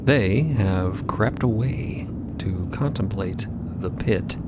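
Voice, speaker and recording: A man with a fairly low voice tells a story for a fiction podcast. His delivery is very slow and theatrical, dropping into conversational phrasing and stretching words for drama. A loud ambient rumble sits behind him. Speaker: podcast narrator and host.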